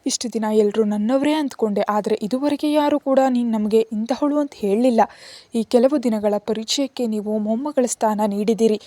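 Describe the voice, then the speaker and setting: A woman's voice: on the high side, normal speed, warm tone, no echo, lightly acted. A woman reading as a humble young nanny. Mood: earnest.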